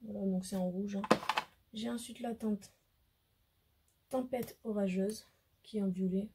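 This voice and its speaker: Hoarse French woman, beauty vlogger, casual hesitant chat to camera, mid-pitched, faint hiss behind. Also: steady tone, unhurried, warm tone. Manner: chatty, hesitant, many fillers. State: hoarse, losing her voice.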